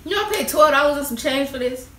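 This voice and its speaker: A woman's voice: high-pitched, animated, fast, bright, forceful tone. A young adult woman chatting casually at a table in a home dining room. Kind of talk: casual chat. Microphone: camera across the table. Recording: echoey, distant camera mic, background noise.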